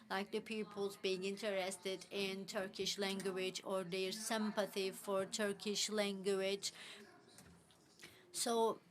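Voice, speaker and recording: A woman giving live English interpretation of a panel discussion, halting, with frequent "actually" fillers. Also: medium pitch, a bit bright. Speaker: simultaneous interpreter.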